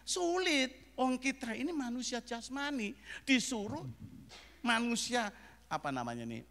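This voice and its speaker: Lively man preaching in an echoing hall. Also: very high-pitched, a little slow. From Indonesia. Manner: animated, joking storyteller with laughs and shouted amens. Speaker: pastor. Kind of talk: sermon. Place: church sanctuary. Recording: reverberant church hall.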